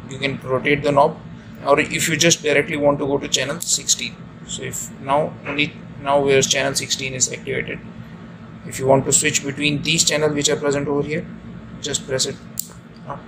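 An Indian ship officer gives an equipment tutorial at a chart table indoors aboard ship, speaking in a creaky, fairly monotone, medium-pitched voice. He talks haltingly, often repeating and rephrasing himself as he demonstrates. The amateur recording, made on a handheld phone camera mic, carries clear, steady room noise.

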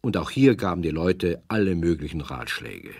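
A man's voice: low-pitched, very animated, moderate pace, gravelly, a little mellow, husky, dry recording, heavily acted. A man narrating a children's radio play as a scripted storyteller.

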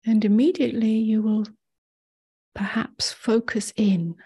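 A woman meditation teacher leading a guided meditation in a soft, breathy near-whisper, gently and with long pauses. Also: a little high, steady tone.

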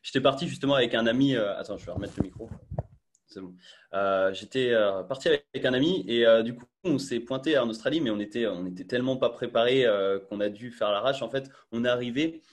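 A man's voice: mid-range voice, fast. Chatty young man on a video call. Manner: chatty, full of fillers and restarts. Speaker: guest. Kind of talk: casual video-call interview. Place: small bright room indoors. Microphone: earphone mic on a video call.

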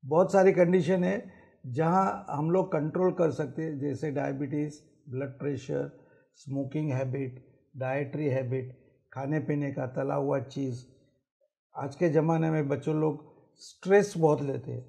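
Gravelly-voiced male cardiologist guest. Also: on the high side, steady tone, a little slow, warm tone. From Mumbai. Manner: mixes English phrases into Hindi, lists symptoms and risks. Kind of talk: explanatory interview answers. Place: TV studio set.

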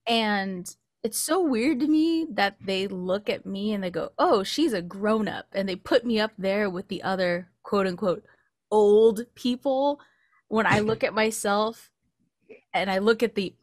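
A woman's voice: medium pitch, moderate pace, no room sound. An American woman in her late twenties chatting casually as a podcast co-host, telling personal stories into a close studio mic. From California, United States. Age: late 20s. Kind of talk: casual chat, personal anecdotes. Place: small indoor home recording setup. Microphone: close studio mic with pop filter.

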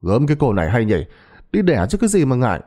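A man voicing a brusque, teasing older male country doctor who talks in quick, matter-of-fact orders in a storybook tale. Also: mid-range voice, very animated, dark tone, voice pushed up.

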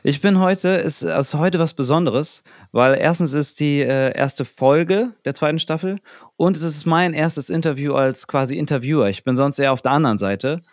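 A man's voice: on the high side, normal speed, no room sound, studio quality. A man, hosting a podcast interview in a casual, slightly nervous, chatty way. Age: 30s. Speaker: podcast host.

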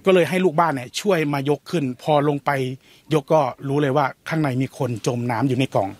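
A man's voice: on the high side, dry recording. A male village headman describing in an interview how the boxes were found, repeating words as he goes. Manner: quick, repeats words as he recounts. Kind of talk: interview account.

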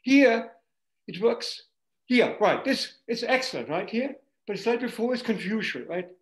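A man's voice: very high voice, animated, a little slow. A man in the audience of a video colloquium, making terse, repetitive comments about the slides. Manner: terse, repetitive remarks with "here" and "right?". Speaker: audience member asking questions. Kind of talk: questions during a video colloquium. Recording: roomy video call audio.

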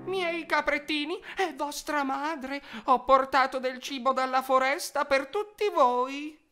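A woman voicing a cunning, hungry male wolf in a storybook cartoon, alternating gruff menace with fake sweetness. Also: high voice, measured pace, sharp tone, soft background music. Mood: falsely sweet. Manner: menacing, turns falsely sweet.

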